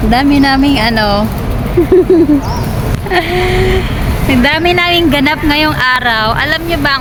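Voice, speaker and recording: A woman's voice: fairly high pitch, background noise. Chatty Filipino woman vlogging on the go. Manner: chatty, giggly storytelling with many fillers. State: sleepy. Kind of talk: casual vlog chat.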